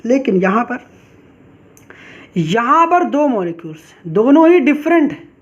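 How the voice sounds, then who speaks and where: Woman, chemistry teacher, fairly high voice, asks and answers her own questions, drawls key terms, dull lo-fi recording. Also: very animated, measured pace. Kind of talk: online class lecture.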